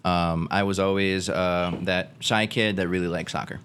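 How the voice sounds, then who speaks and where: A man from Guatemala, a podcast guest, telling his story in a laid-back way with many pauses and fillers. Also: deep voice, steady tone, fairly bright tone, slight background noise. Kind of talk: casual conversational interview.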